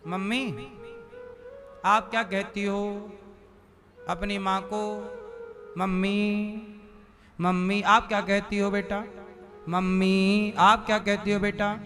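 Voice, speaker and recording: A male preacher giving a devotional sermon with call-and-response to his audience. He tells the story in a lively way and sometimes breaks into chant and song. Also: high-pitched, measured pace. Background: devotional instrumental music.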